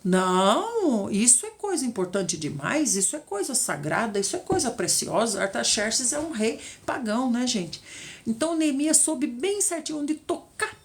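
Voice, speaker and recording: A woman's voice: a little high, normal speed. A middle-aged woman with a Brazilian Portuguese accent leading an informal Bible study, retelling the story in a chatty way and often checking in with her listeners. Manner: chatty storytelling, tag questions, lively retelling. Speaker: Bible teacher.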